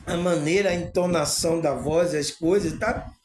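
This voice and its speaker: High-voiced man in an echoey room. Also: fairly even intonation, normal speed, darkish tone. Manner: rambling, repeats tag questions to the audience. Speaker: spiritual channel host. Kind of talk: informal spiritual talk to viewers. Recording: echoey room with faint ambient noise.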